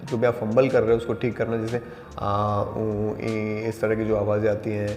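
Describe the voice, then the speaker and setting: Man, acting teacher, calm, deliberate, echoey hall, long reverb. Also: fairly low pitch. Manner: calm, deliberate explaining, mixes in English terms. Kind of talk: spoken acting lesson. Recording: echoey hall with faint music.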